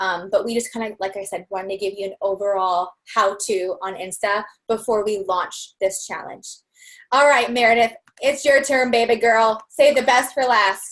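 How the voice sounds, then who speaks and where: An unremarkable speaking voice, this woman's sits at a fairly high pitch, with ordinary pitch variation and a moderate pace. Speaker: network marketing trainer. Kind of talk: online training presentation. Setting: live video call.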